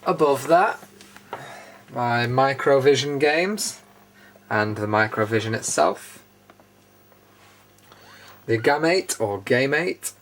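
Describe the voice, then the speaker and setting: A man's voice: medium pitch, slow pace, long pauses, fairly bright tone. A British man giving a casual, unscripted tour as a video host, matter-of-fact and dryly opinionated. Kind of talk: casual unscripted show-and-tell narration. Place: indoor room studio. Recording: noticeable background noise.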